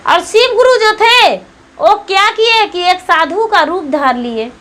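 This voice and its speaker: A woman tells a Shiva devotional story at an unhurried pace. Her voice is very high and bright, and she often says phrases twice in an earnest way. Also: lively intonation. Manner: repetitive, earnest retelling with repeated phrases.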